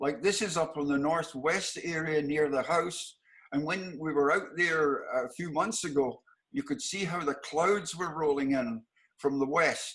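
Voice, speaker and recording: At a fairly slow pace, a man with a Scottish accent speaks with fairly high pitch and ordinary pitch variation. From Scotland. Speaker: glass artist. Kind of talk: artist talk with slideshow.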